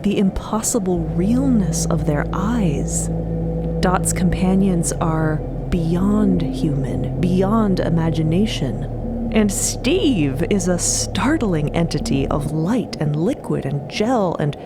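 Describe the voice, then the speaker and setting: Lower-pitched woman narrating drama over music. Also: expressive, takes it slowly. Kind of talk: dramatic scripted audio-fiction narration. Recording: music bed under the voice.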